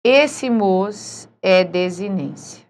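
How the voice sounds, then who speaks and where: A woman's voice: medium pitch, lively intonation, very slow, slight background noise. A woman teaching a recorded grammar lesson, patient and often checking in with her students. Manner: patient, checks in with frequent "certo?".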